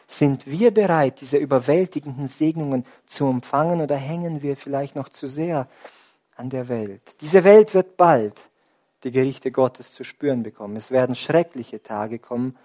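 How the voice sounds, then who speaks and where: A man preaching a sermon, asking the congregation rhetorical questions and swinging between loud, emphatic passages and hushed, near-whispered lines. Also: a little high.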